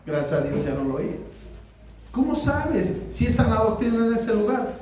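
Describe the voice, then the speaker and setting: At normal speed, a pastor with a high-pitched, sing-song, somewhat mellow voice preaches a conversational sermon, frequently asking the congregation questions. He speaks with a Mexican Spanish accent. The audio, taken from far away in a church hall, is very echoey with faint noise.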